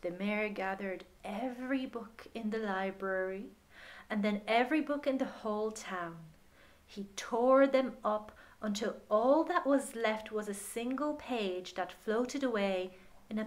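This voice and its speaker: A woman with a medium-pitched voice reads a children's story at a slow, unhurried pace. Expressive and deliberate, she gently softens how her phrases end and addresses young listeners directly.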